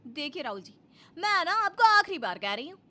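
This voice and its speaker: A woman voicing a bossy, sharp-tongued young wife in a cartoon story, snapping back with shrill retorts. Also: big pitch swings, a little slow, exaggerated voice.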